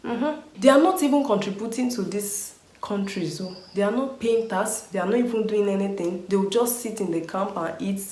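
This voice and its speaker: A woman's voice: mid-range voice, normal speed, few pauses, roomy sound. A Nigerian woman vlogger with a Nigerian accent, ranting in a scolding way and firing rhetorical questions at her viewers. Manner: exasperated scolding, rhetorical questions, lively pidgin phrases. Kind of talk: casual vlog rant.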